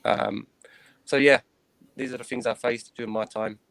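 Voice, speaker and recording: Earnest man in his thirties, interview guest, halting delivery, mid-pitched voice, dry close sound. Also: fairly even intonation, a bit bright, dry recording. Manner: earnest, hesitant, frequent pauses and restarts. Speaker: guest, former professional cricketer. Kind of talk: recounting personal experiences in an interview.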